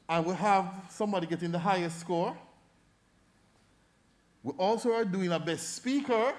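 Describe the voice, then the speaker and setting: A middle-aged Jamaican man giving feedback as a debate judge, animated and fond of demonstrating voices as he coaches. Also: high voice. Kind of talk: feedback speech to an audience.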